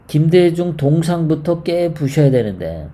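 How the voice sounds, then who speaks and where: Live stream commentary host; slow delivery, mellow voice, halting, many fillers, rhetorical questions to the audience. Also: medium pitch, big pitch swings. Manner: rambling, poses rhetorical questions to viewers.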